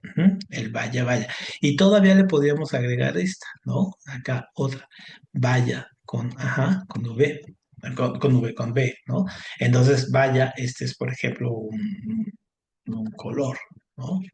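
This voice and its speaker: A man's voice: medium pitch, slow pace, creaky, darkish tone, slight background noise. A man teaching a class, explaining patiently and checking in with the students. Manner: explanatory, frequent tag questions and fillers. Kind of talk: online class lesson.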